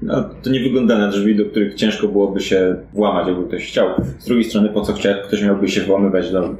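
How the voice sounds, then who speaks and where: A man narrating a fantasy detective tabletop game as game master, improvising in a conversational, halting way. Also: on the low side, steady tone, darkish tone. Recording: roomy echo, audible background noise.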